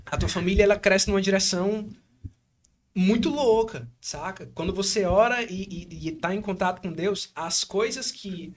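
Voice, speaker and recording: Man, Espírito Santo accent, podcast host, high voice, lively slangy chat. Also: normal speed. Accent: Espírito Santo Brazilian Portuguese. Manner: animated, full of slang fillers. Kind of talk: casual chat.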